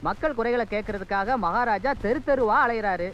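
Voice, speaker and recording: An actor playing a theatrical, welcoming herald of a maharaja in a film comedy. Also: male voice, high voice, moderate pace, a bit bright, slight background noise. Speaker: courtier-like greeter. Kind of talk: 1980s Tamil film comedy. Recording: dull film track with music.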